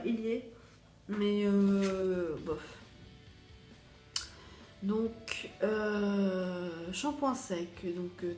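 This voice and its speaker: A woman's voice: mid-range voice, mellow. A French-accented woman chatting casually through a beauty box unboxing, hesitant and full of fillers. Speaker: beauty vlogger. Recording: echoey room with faint music.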